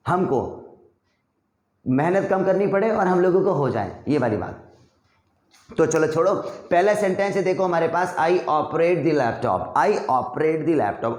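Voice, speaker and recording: Male tutor with a slightly high voice, casual and chatty, drills phrases in a slow, repetitive way. Room echo. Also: darkish tone. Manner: drills practice sentences slowly and repeatedly; chatty, addresses viewers as brother and friend. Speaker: English speaking teacher. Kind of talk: casual spoken-English lesson in Hindi.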